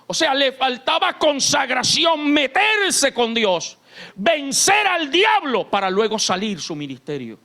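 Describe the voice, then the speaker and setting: Bright-voiced Colombian pastor preaching. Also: male voice, very high voice, sing-song, takes it slowly. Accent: Colombian Caribbean Spanish. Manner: impassioned preaching, swinging from soft to shouted. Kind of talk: sermon. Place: church.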